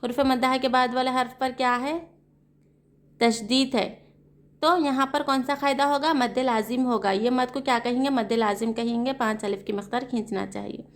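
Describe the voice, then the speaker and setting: A woman Quran reading teacher with a South Asian Urdu-Hindi accent, slowly spelling out letters and vowel marks and explaining the rules with questions. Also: high voice, steady tone. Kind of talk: slow spelled-out recitation lesson.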